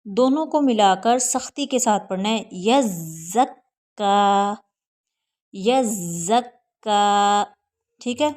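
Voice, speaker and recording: A woman teaching Quran reading in Urdu with a South Asian accent, spelling out letters slowly one by one and then explaining the rules quickly. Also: fairly high pitch, darkish tone. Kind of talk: slow syllable-by-syllable recitation lesson.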